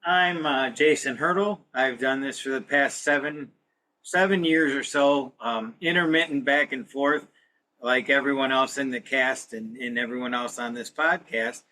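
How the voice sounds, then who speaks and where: A man speaking in a podcast interview with a very bright, forceful tone. His pitch is medium and his style is conversational, as a community theater performer. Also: unhurried, poor audio. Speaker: community radio play actor.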